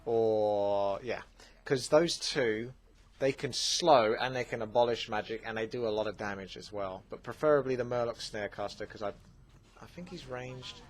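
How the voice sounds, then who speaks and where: A man's voice: mid-range voice, normal speed. Chatty Essex man answering questions. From England. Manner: relaxed, chatty, lots of fillers. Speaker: gaming channel host. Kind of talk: casual Q&A commentary.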